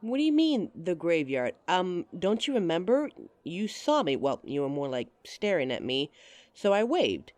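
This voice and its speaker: Her lowish, slightly mellow voice swings widely in pitch at a moderate pace, with no echo around it. She's a voice actress doing an audio roleplay as the listener's date, friendly and giggly, teasing and laughing often.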